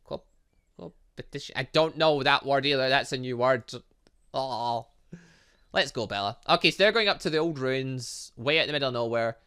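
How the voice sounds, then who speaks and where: A man giving let's play commentary on a game, excitable and reactive, reading dialogue aloud as he goes. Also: mid-range voice, normal speed, clean tone. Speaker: gaming channel host.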